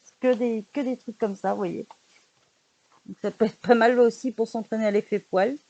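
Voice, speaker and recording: A woman's voice: on the high side, steady tone, moderate pace, mellow, no echo, highs cut off. A woman vlogger in casual chat, showing books she bought, hesitant with frequent fillers and restarts, recorded indoors at home. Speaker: vlogger showing a book haul.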